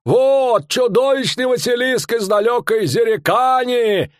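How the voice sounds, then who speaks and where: A man voicing a loud, boastful middle-aged male fairground barker with rustic old-fashioned speech and drawn-out showman's patter. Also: very high voice, no room sound, clean studio sound, voice pushed up.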